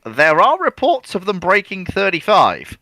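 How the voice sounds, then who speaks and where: A man's voice: high-pitched, huge pitch swings, unhurried, gravelly, bright, forceful tone, no echo. A man speaking as a guest panelist, adding explanations in a casual discussion.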